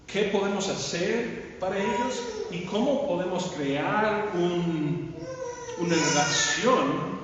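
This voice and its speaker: A man preaching a sermon in halting Spanish as a second language, with English fillers slipping in, in a church sanctuary. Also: sits high, heavy background noise. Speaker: pastor. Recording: echoey, distant, muffled church livestream.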